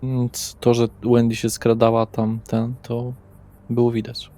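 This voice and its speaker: A man's voice: medium pitch, monotone, a little slow, mellow. A man acting as game master, narrating and refereeing a tabletop horror role-playing session.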